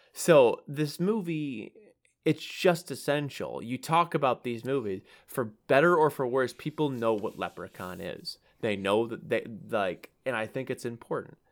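A plain, everyday voice from a man with an American accent, medium in pitch, lively in intonation, on a very clean recording with a silent background. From United States. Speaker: podcast co-host. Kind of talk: casual chat.

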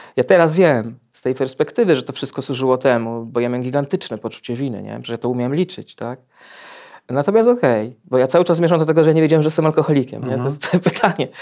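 A man talks very fast in a fairly high-pitched voice with a dark, mellow tone and ordinary pitch variation. His loudness swings widely, and the recording is very clean with a silent background. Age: 40s. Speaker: poet and recovering alcoholic. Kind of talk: personal testimony in interview. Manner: halting, many repetitions and fillers.

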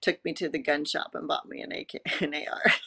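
This woman's voice is very deep and low in pitch, with a bright, sharp tone. She talks at a moderate pace, and the sound is dry and close with no echo. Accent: American. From Kansas. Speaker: bodybuilder. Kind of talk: casual chat.

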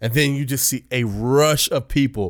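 The speaker has an American accent and an animated tone. Pitch variation is ordinary. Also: man. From North Carolina, Rocky Mount. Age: 20s. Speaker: touring ice show performer. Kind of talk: casual chat.

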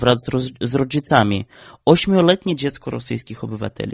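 A man with a medium-pitched voice talks at a fairly quick pace, with lively intonation and vocal fry. The recording is very clean, with a silent background and a dry, close sound with no echo. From Ukraine. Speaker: radio columnist, journalist. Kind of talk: read opinion column.

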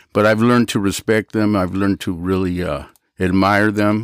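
A man with a very deep, low pitch and monotone, flat intonation, on a very clean recording with a silent background. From Los Angeles, San Fernando Valley (Pacoima). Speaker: former prisoner sharing his story. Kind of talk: testimony. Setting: studio.

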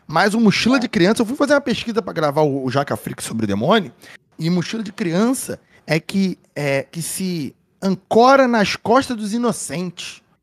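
In a dry, close recording with no echo, a man with a high pitch sounds animated, his pitch swinging very widely at a moderate pace. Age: 30s. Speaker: history teacher and podcaster. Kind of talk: casual chat.

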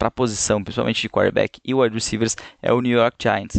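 A man talks in a dry, close sound with no echo. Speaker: fantasy football podcast host. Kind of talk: solo podcast analysis. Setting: at home. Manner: speaking more quietly than usual; halting, many fillers.

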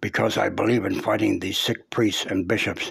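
A man talks at a moderate speed. Noticeable background noise can be heard behind him. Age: 60s. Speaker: activist against clergy abuse. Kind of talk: personal monologue.

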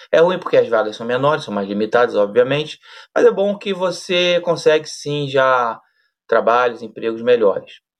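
A man talks at a moderate pace with lively intonation. His pitch is fairly high, and he has a plain, everyday voice. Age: 40s. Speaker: YouTube channel host, mechanical engineer. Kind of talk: advice monologue to camera.

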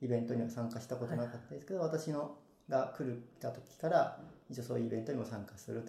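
A man with a medium pitch speaks at a very fast pace with lively intonation. There is audible room echo and noticeable background noise. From Ibaraki, Japan. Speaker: rural migration support worker. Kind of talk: casual interview.

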